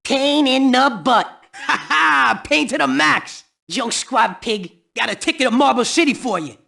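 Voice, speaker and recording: High, creaky, cocky gangster. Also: male voice, a little slow, sharp tone, full character voice. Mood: gloating. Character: cocky, sneering small-time gangster. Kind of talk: video game voice acting.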